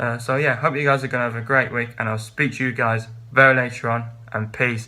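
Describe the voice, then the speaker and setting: Speaking with a British accent, a man keeps a fairly quick pace. His intonation is monotone and flat, his tone bright and sharp. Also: medium pitch for a man. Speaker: football vlogger. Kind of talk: casual vlog commentary. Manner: loud; halting.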